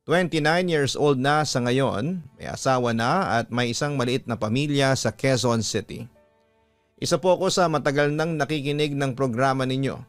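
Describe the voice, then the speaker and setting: A man with a Filipino accent and a medium-pitched voice reads a listener's letter aloud like a radio host, delivering it as scripted dramatic narration. A music bed plays behind him, and there's no echo.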